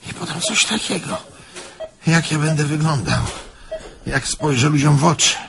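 An actor playing an anxious, self-pitying German jeweller in a radio play, fretful and rambling. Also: male voice, fairly high pitch, normal speed, creaky, background noise. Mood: aggrieved, tearful. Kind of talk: theatrical radio play acting.

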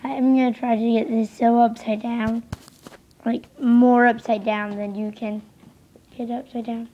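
A young woman casually commenting on a game she is playing, a little hoarse from being sick, rambling and easily distracted. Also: on the high side, flat delivery, a little slow, slight background noise. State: losing voice, sick. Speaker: gameplay commentator. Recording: slightly dull lo-fi home recording.

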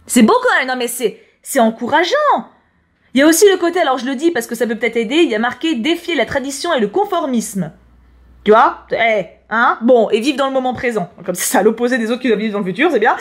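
A woman's voice: on the high side, animated, fast talker. A woman chatting casually as she reads tarot horoscopes, slangy and prone to repeating words. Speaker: YouTuber reading tarot horoscopes. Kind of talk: casual chat.

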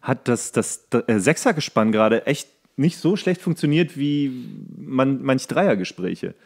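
A man's voice: medium pitch, lively intonation, a little slow, a little mellow. A young man hosting a podcast, giving casual, slangy and mocking running commentary on a TV show. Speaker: podcast host.

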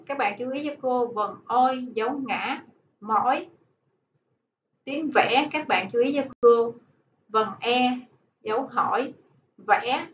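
A woman primary school teacher dictating to children, speaking deliberately and enunciating word by word. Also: fairly high pitch. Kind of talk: slow dictation-style lesson for children. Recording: echoey room, dull sound, faint noise.

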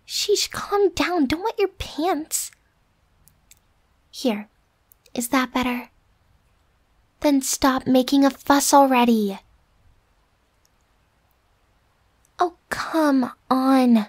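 A woman playing a bossy, defensive but secretly affectionate young roommate in an ASMR roleplay, huffy with breathy whispered asides. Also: sits high, takes it slowly, long pauses. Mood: annoyed, teasing.

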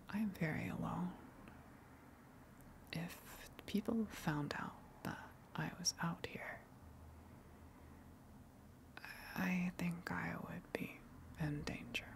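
A woman voicing a lonely, gentle tentacled sea monster in a breathy whispered ASMR roleplay, hesitant and earnest as she speaks. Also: lowish voice. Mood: wistful, guarded. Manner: hesitant, confessional, halting, earnest.

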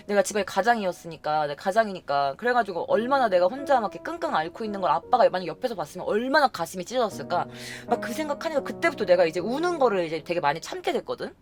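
Animated young Korean-speaking woman storyteller. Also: mid-range voice. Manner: emotional, animated, acts out her own quoted lines. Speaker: streamer telling personal stories. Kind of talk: casual storytelling chat. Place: home streaming room.

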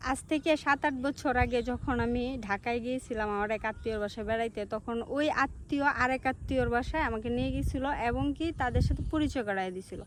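High-voiced Netrokona-accented young woman. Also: fast talker, few pauses, a little hiss or hum. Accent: Netrokona Bengali. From Netrokona, Bangladesh. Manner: earnest, reflective storytelling. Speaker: social media creator. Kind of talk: personal talking-to-camera vlog.

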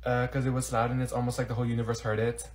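A man's voice: mid-range voice, completely flat delivery, rapid-fire, a little mellow, natural voice. A man playing a blunt, incredulous teenage schoolgirl who bosses her best friend in a comedy skit.

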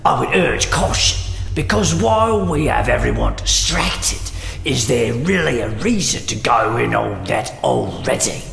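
A man voicing a cautious, doubting henchman with a gravelly voice and a hesitant, questioning manner in a fantasy audio game. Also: medium pitch, big pitch swings, a little slow, a bit bright, soft background music, exaggerated voice. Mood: doubtful, wary. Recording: echoey hall, some background noise.

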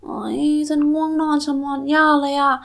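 Lady doing a whiny little schoolgirl doll for a kids toy story, really high, super dramatic. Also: little pitch movement, moderate pace, vocal fry, fairly bright tone. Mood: sleepy, grumbling. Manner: exclaiming, complaining, melodramatic. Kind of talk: toy-play children's story acting.

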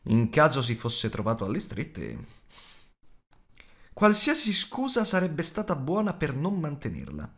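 A man's voice: a little high, wildly swooping pitch, unhurried, a bit bright. A man narrating an audiobook in a dramatic, varied reading style. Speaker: audiobook reader.

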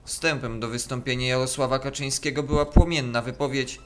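A man reading a scripted news report with an even, formal delivery. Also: medium pitch, fairly quick, a crowd in the background. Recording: voice-over with music beneath.

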